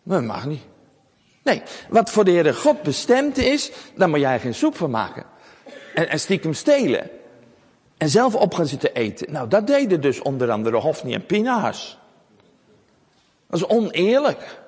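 A man telling a Bible story to children in a lively, animated way, often asking them questions. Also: fairly high pitch, a little slow, pauses often, husky, in a large hall.

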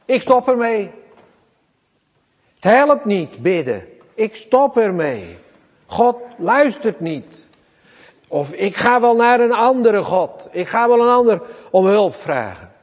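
A desperate biblical king cries out to God in anguished, repeated pleas, his voice pitched higher than usual, as a preacher puts him on. The words come slowly and weightily. A long reverb rings around him. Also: big pitch swings, a little mellow, slightly rough, full character voice. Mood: defiant.

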